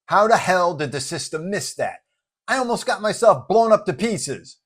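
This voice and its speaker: A man's voice: sits high, lively intonation, normal speed, fairly bright tone, breathy edge, pitched above the performer's own voice, full character voice. Exasperated male superhero, acted by a male narrator, storybook hero with a dramatic, complaining streak, irritable and easily rattled. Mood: indignant.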